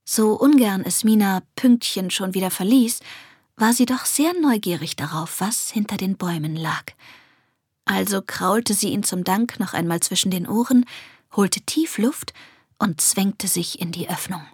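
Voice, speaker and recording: A woman narrating a children's fantasy story softly and expressively, often dropping to a whisper. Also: mid-range voice, unhurried, husky, no echo, studio quality. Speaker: audiobook narrator.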